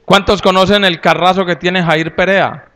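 Un pastor con acento colombiano que predica a su congregación en tono campechano y jocoso, con preguntas directas al público. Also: male voice, high-pitched, normal speed. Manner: folksy and humorous, with lively asides to the audience. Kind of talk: sermon to a congregation.

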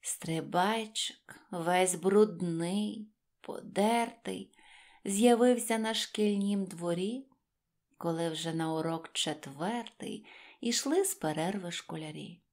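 A woman storyteller narrating a rhymed children's tale in an expressive style. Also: on the low side, takes it slowly. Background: faint music.

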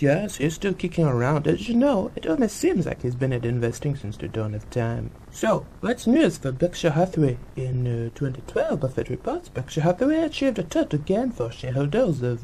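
A man's voice: a little high, warm tone, slight background noise, rough recording. A man voicing a chatty French monkey puppet reporter with a French accent and a sing-song voice. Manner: jokey, rambling, flustered fibbing. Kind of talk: comic puppet news segment.

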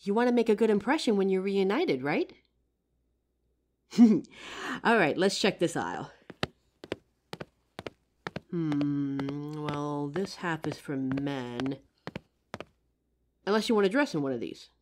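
Woman acting as friendly psychic shop lady, kinda low voice, really animated and curious, chatty roleplay audio. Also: slight background noise. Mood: encouraging. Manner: chatty, expressive, with pauses and soft laughs. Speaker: voice actor. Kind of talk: roleplay audio drama, one side of a chat addressed to the listener.

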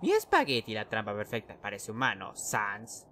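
A man voicing a loud, boastful tall skeleton guard in a cartoon fan dub, shouting with wild theatrical leaps in pitch. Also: huge pitch swings, normal speed, slight background noise, exaggerated voice. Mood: excited.

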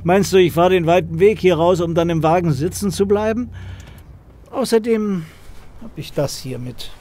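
A male actor plays a self-assured American millionaire and ex-airman in a horror radio play. His fairly high male voice chats along wryly, with clear ambient noise behind it. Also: moderate pace, mellow, lightly acted. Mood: chatty, wry. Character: American millionaire ex-Air Force man, chatty, wry, sure of himself. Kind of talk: horror audio drama dialogue.

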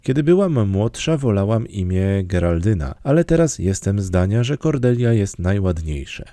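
A man's voice: very animated, normal speed, mellow, no room sound, studio quality. A man voicing an emotional, talkative orphan girl in an audiobook, pleading and theatrical. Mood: dreamy pleading. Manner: pleading, theatrical, raised higher voice. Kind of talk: audiobook character reading.

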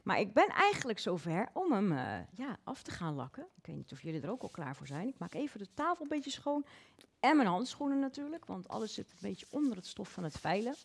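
A woman's voice: medium pitch, sing-song, a little fast, creaky, breathy edge. A woman nail technician demonstrating a nail design in a live online workshop, cheerful as she talks through each step. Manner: cheerful, narrates her own hand work step by step.

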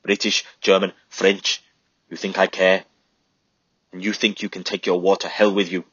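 A man's voice: low voice, flat delivery, normal speed, a bit bright, slightly rough, dry recording. A man voicing a bitter, grieving man who turns away the soldiers, in a storybook reading. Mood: bitter grief. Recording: dull lo-fi recording.

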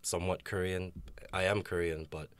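A young man with a very deep, low voice talks through his experiences in a casual discussion. He is frank and reflective and slips in self-deprecating jokes. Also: flat delivery, moderate pace, a bit bright. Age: young adult. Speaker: university student.

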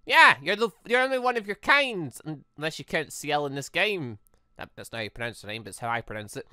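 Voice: mid-range voice, animated, quick pace, pushed and bright, smooth, no echo, clean studio sound. A let's-play host giving casual, rambling commentary on a visual novel, thinking aloud and correcting themselves along the way.

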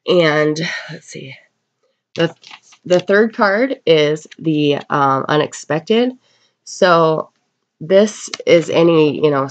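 A woman getting over a cold gives a casual tarot card reading, speaking haltingly with unhurried pauses. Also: deep voice. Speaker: tarot reader. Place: indoors at a table in a room. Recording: dull, lo-fi webcam sound.

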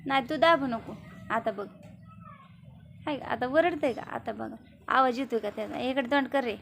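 A woman's voice: high voice, normal speed, creaky, fairly bright tone, a little hiss or hum. A woman films her pet cats at home and talks to them in teasing baby-talk. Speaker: vlogger, mother. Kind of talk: casual home vlog, talking to pet cats.

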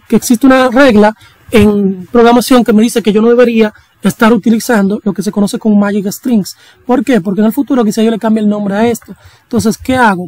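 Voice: medium pitch, a little mellow, dry recording, rough recording. A young adult programming instructor, talking through a coding tutorial in a casual, chatty way with slang and joking asides. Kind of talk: screen-recorded coding tutorial.

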